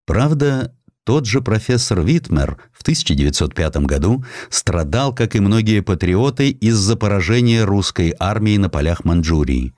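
A man with a deep voice narrates a historical sketch. His intonation moves widely, giving the scripted storytelling a dramatic, expressive shape. The sound is very dry, with hardly any room around it. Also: normal speed, no echo. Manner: expressive storytelling, voicing quotations. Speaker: audiobook narrator.

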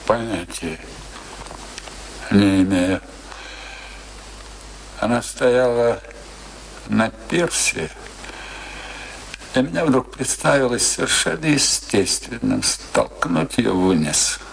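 An actor playing an embittered, world-weary middle-aged husband in a radio play, confessing coolly in slow, halting, pensive phrases. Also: male voice, medium pitch, expressive, vocal fry, slight background noise, low-quality recording. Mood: detached, grave. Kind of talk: theatrical radio play dialogue.

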